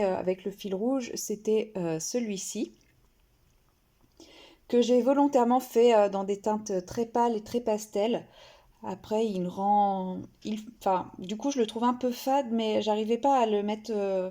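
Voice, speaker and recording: A woman's voice: mid-range voice, warm tone. A woman vlogger casually showing her finished coloring pages, hesitant, with many fillers and restarts. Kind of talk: casual show-and-tell.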